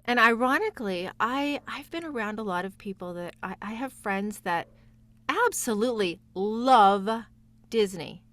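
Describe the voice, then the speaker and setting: A woman's voice: medium pitch, expressive, a little slow, fairly bright tone. A woman talking casually and reflectively as a guest, offering encouragement. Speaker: guest voice actor and playwright. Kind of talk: casual chat with encouraging advice.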